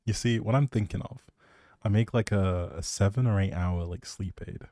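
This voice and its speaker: A man's voice: fairly low pitch, normal speed, warm tone, no room sound, studio quality. A young man rambling casually on a game livestream, playful and jokey as he chats back to viewers. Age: young adult. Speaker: live streamer and audio creator.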